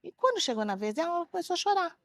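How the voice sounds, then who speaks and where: A woman's voice: very high-pitched, very fast, no room sound. A middle-aged woman, a retired teacher, telling stories in a TV studio interview. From Brazil. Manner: animated storyteller, acts out children's voices. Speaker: retired teacher and author, guest. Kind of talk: interview storytelling.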